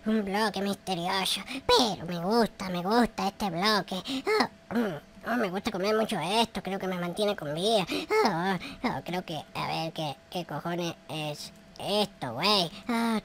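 A man's voice: sits high, measured pace, hardly any pauses, fairly bright tone. A man voicing a forgetful aged survivor in a Minecraft roleplay, rambling and groaning to himself. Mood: childlike wonder. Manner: rambling, groaning, childlike wonder. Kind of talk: gaming roleplay, talking to himself.

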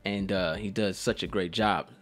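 A man's voice: low voice, steady tone, moderate pace. A man with an American accent bantering casually as host of a reaction video.

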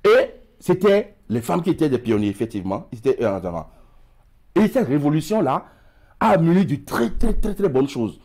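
A man's voice: on the high side, big pitch swings, moderate pace, a little mellow. A middle-aged man with a West African French accent, a guest in a TV studio interview, who gestures widely and stumbles over repeated words. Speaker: studio guest, emigration expert. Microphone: lapel mic.

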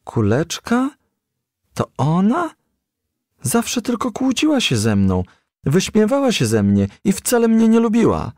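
Man voicing a plaintive young firefly, higher-pitched. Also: wildly swooping pitch, unhurried, a little mellow, no room sound, studio quality, heavily acted. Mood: dismayed. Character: young male firefly, shy, reluctant, pleading son.

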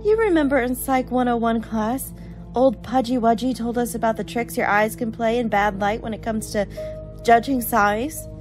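A woman playing a chatty, brisk college girl in a radio horror drama. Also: on the high side, faint music behind, natural voice. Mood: reassuring. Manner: chatty, colloquial.

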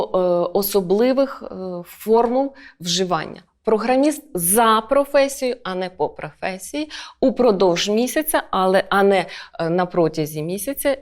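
A woman teacher delivers an online school lesson. She explains each point step by step and often pauses on short hesitation sounds. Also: medium pitch, a little mellow. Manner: explanatory, with frequent "e" fillers.

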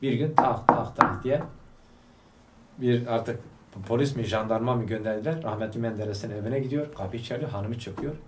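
A man of medium pitch leads a religious study session for a gathering in a school study hall, speaking with fervor and pushing listeners to respond to his rhetorical questions out loud. Recorded from a distance in an echoey space, the audio carries slight hiss or hum.

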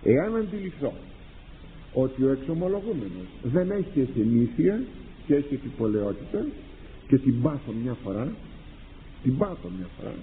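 A man, a priest and confessor, delivering a sermon with animated rhetorical questions and acted-out exchanges. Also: medium pitch, a little hiss or hum. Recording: tinny lo-fi archive recording in a reverberant hall.

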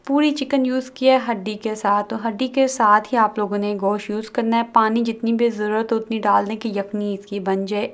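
A woman host narrating a cooking video, calmly explaining each step and mixing in English words. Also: a little high. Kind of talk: recipe voice-over narration.

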